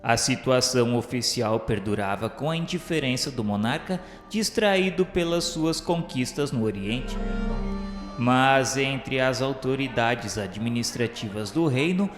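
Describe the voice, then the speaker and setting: Male narrator, Brazilian accent, for solemn radio storytelling; literary and measured, drenched in reverb over music. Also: mid-range voice, animated. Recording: echoey hall reverb, music underneath. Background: background music.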